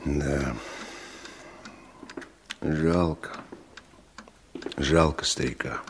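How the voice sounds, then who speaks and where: An actor in a Russian radio drama playing a steady, cautious village man who talks in a muted, hesitant way. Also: very deep voice, drawn-out words, heavily acted. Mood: sombre, soothing. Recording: noisy old radio play recording.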